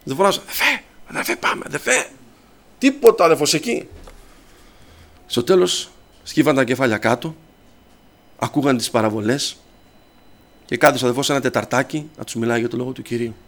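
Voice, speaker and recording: Greek preacher telling a story. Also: male voice, mid-range voice, expressive, long pauses. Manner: storytelling, addresses listeners as brothers. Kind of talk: sermon.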